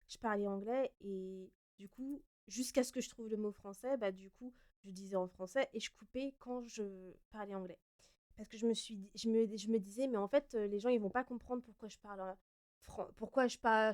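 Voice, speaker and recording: A young woman from France talks through listener questions on her podcast. Her voice sits a little high and sounds smooth and clear. She speaks in a loose, chatty way, often hesitating and correcting herself mid-sentence. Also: a little mellow. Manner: chatty, hesitant, many fillers and self-corrections. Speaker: podcast host. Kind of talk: casual solo Q&A podcast.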